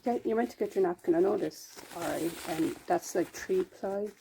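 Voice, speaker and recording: A woman's voice: on the low side, normal speed, creaky, mellow, slight background noise, poor audio. A woman with an Irish accent chatting casually at home for her vlog, rambling and poking fun at herself. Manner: chatty, rambling, self-mocking. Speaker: vlogger. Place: at home, indoors.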